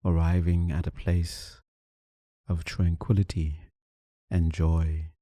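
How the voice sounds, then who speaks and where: A man leading a guided meditation, giving soothing, unhurried instructions with long pauses between phrases. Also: low-pitched, level tone, warm tone, no room sound. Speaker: meditation teacher.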